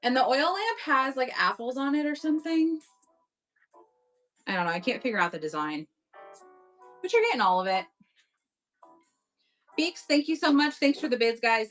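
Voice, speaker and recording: Upbeat woman live-selling vintage items, fairly high voice, faint music underneath. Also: fairly bright tone, low-quality recording. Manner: chatty, upbeat, thanks bidders by name. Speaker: online live-auction seller. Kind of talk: casual live-selling chat. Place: home at night.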